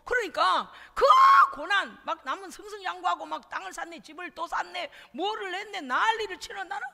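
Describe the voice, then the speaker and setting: Woman pastor, high bright voice, lively emotional preaching, echoing church hall. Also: brisk, creaky. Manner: dramatic, swings from whispers to shouts, acts out prayers. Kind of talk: emotional sermon with testimony. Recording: church hall with long reverb.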